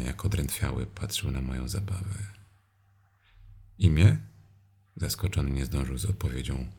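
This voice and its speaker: A man narrates an erotic story in a hushed, intimate way, sometimes sinking into a whisper. His voice sits extremely low, with a dark, mellow timbre. The tone is breathy and husky rather than clear.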